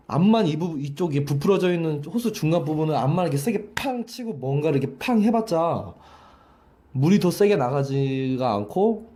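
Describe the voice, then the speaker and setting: A man's voice: fairly high pitch, warm tone. A man teaching a voice lesson, explaining breath pressure with a hose demonstration, often repeating and restarting his phrases. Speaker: vocal coach.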